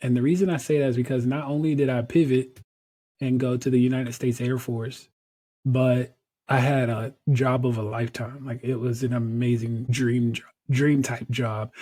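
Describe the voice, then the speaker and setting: Speaking at a moderate pace with an American accent, a man uses a medium-pitched, dark, mellow tone that is somewhat breathy. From US South, Durham, North Carolina. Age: 30s. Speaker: motivational speaker, blind Air Force veteran. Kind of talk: podcast interview.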